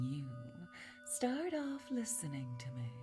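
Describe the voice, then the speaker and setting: Music plays behind a woman who speaks at a fairly slow pace. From Netherlands. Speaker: hypnotherapist. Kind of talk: hypnosis induction. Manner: slow, soft-spoken.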